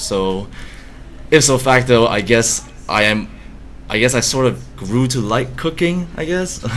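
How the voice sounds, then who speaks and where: The man's voice has vocal fry. Audible room echo surrounds it. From international schools abroad (Thailand, South Korea, India). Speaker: campus contest contestant. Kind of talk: self-introduction interview. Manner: casual, with many fillers.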